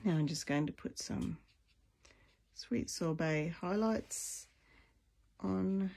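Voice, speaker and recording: Slow, gravelly-voiced woman crafting. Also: mellow. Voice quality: deep, husky voice. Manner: chatty, thinks aloud while crafting. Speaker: craft video host. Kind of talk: casual stamping tutorial chat.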